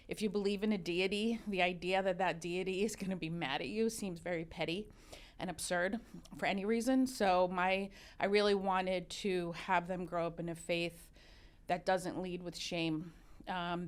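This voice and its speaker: A woman in her fifties, a religious educator and consultant whose first language is Arabic, tells candid stories in a casual interview. Her voice is fairly low and smooth. She's an animated storyteller who restarts often.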